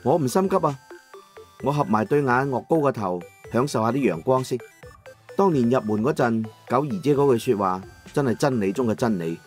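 A man narrating an audiobook in the first person in Cantonese, with colloquial, expressive dramatic storytelling. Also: mid-range voice, brisk, faint music behind.

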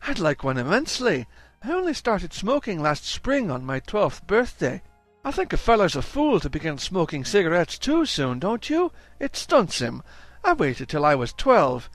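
A man's voice: high-pitched, wildly swooping pitch, moderate pace, dry recording, soft background music, heavily acted. A man voicing a prim twelve-year-old boy who talks with grown-up airs. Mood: earnest.

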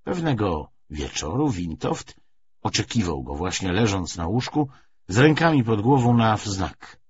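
A man's voice: on the low side, big pitch swings, measured pace, breathy edge. A man reading a novel aloud as an audiobook narrator, in scripted literary narration. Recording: dull lo-fi recording.

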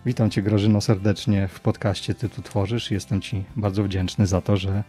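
A man's voice: fairly low pitch, little pitch movement, moderate pace, warm tone, breathy edge, soft background music. A man, speaking as a podcast host. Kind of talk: podcast introduction and interview.

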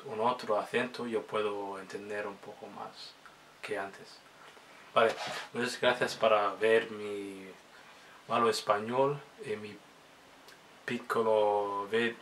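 A man's voice: fairly low pitch, a bit bright, slight background noise. A man speaking as a hesitant language learner in a casual vlog, often restarting his words. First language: Somali. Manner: halting learner's speech with many restarts. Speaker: vlogger.

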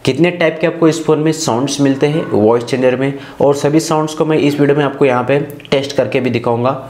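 A man's voice: mid-range voice, fast talker, darkish tone. Male Indian tech presenter, scripted tutorial narration, echoing room recording. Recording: roomy echoing voice-over.

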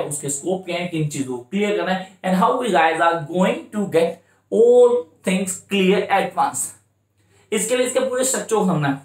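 Echoey Indian man coaching a class. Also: high-pitched. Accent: Indian English. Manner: repetitive, coaching, slows right down for English phrases. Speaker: tutor. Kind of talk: exam-prep lecture in mixed Hindi and English. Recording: echoey room.

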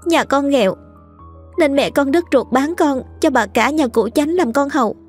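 A woman's voice: sits high, normal speed, faint music behind, pitched above the performer's own voice, close to an everyday voice. A woman voicing a frightened servant girl of about nine who begs tearfully and stammers. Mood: pleading.

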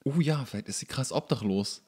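A man's voice: mid-range voice, fairly quick, warm tone, husky. Guy podcast host joking around, slangy and sarcastic, chatty commentary on tv. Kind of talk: casual banter, commenting on a TV show.

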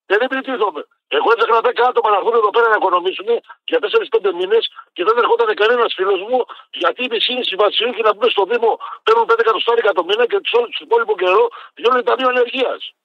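Guy calling in on a muffled phone line, insistent, high-ish voice. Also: no echo. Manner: insistent, keeps steering back to his point. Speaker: caller. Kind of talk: phone-in chat.

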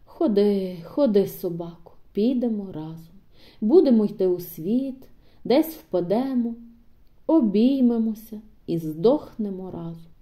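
A woman reading an audiobook voices an old peasant man bidding his wife a quiet, halting farewell. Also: mid-range voice, expressive, lightly acted. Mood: weary, tender. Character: old peasant man, weary and tender husband.

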